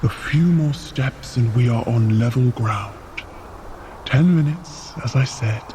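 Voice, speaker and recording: An actor playing a reserved, sincere frost giant guide in an audio drama, with formal, measured, stiff speech. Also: male voice, mid-range voice, mellow, natural voice. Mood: matter-of-fact. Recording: noticeable outdoor ambience noise.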